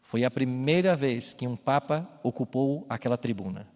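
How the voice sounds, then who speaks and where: A man preaching a sermon as a pastor in a church, speaking emphatically and building to loud calls. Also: medium pitch, animated, moderate pace. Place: church with baptismal tank. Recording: long hall reverb, faint music.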